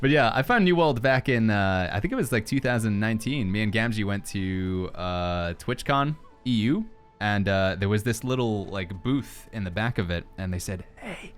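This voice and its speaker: Low-voiced man chatting as podcast host. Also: animated, normal speed, soft background music. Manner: informal, joking, rambling. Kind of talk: casual podcast chat.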